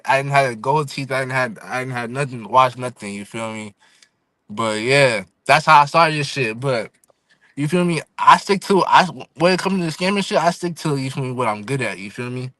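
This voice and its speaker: Pushed and bright, this young man's mid-range voice moves at a moderate pace. He's eighteen, from Fresno, California and Houston, and talks casually as a podcast guest, repeatedly tossing out "you feel me." The recording has no echo.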